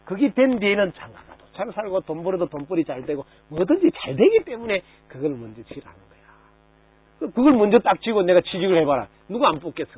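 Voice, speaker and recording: Animated high-voiced monk giving a talk. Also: male voice, quick pace, slightly rough, rough recording. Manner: lively storytelling, rhetorical questions, mimics people in quotes. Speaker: Buddhist monk. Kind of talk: dharma talk to a lay audience.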